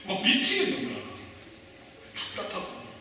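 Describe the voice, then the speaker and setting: Lively man preaching in an echoey hall. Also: high voice, a little slow, slight background noise. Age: 40s. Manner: conversational, quizzing the congregation with questions. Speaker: pastor. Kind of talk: sermon. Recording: echoey hall, voice from far off the mic.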